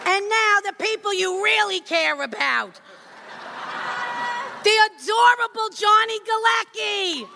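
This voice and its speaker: A woman's voice: expressive, a loud crowd, heavy background noise, heavily acted. A woman voicing a fussy old Jewish grandmother who introduces a panel, doting and kvetching with Yiddish words. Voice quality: gravelly, high and sharp. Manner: kvetching, Yiddish-peppered, slow and drawn out. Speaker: panel announcer.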